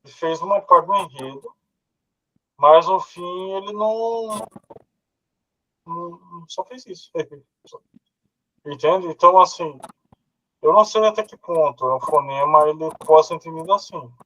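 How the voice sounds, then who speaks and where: A man's voice: on the high side, normal speed, bright, forceful tone, poor audio. A Brazilian man in a casual group discussion, thinking aloud with hesitant fillers and short laughs, heard over a video call. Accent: Brazilian Portuguese. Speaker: philosophy study group participant.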